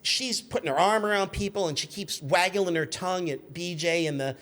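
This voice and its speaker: Higher-voiced man in his fifties, chatty storyteller. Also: normal speed. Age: 50s. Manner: chatty, acts out quoted shouts. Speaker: podcast guest, magazine editor. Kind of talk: animated anecdote storytelling.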